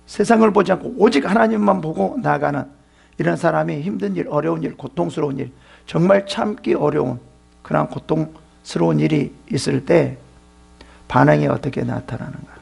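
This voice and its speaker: A man's voice: fairly high pitch, moderate pace, creaky, a little mellow, breathy edge. A middle-aged male pastor who preaches a sermon emphatically and uses rhetorical questions.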